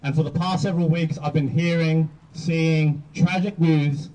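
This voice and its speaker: Young man, twenties, measured rally speech, darker tone, distant outdoor recording. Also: on the high side, fairly even intonation, mellow. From Australia. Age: 20s. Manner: measured, deliberate phrasing in short clauses. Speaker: youth speaker at a rally. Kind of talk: public speech.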